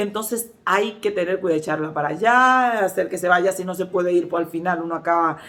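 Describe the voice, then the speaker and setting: A woman pastor with a Dominican accent, preaching a sermon and telling lively personal stories. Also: on the low side, a little fast. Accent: Dominican Spanish. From Dominican Republic. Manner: lively storytelling, acts out quoted voices.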